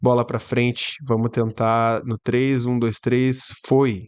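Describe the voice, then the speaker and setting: A man's voice: medium pitch, little pitch movement, slow pace, darkish tone, clean tone. A man hosting a reaction video, commenting casually and sarcastically on a sermon. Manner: sarcastic, chatty asides. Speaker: YouTube reaction host.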